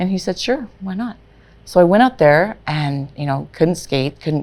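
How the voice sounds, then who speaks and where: A plain, everyday voice with a Canadian accent, lively intonation and a fairly slow pace. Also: woman. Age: 50s. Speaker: women's hockey player. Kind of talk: interview.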